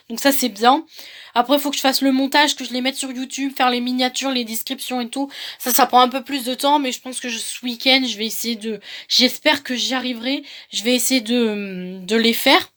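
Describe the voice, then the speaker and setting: High-voiced young woman vlogging. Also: fairly bright tone. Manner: rambling, repetitive, hesitant phrasing. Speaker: book vlogger. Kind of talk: casual vlog monologue.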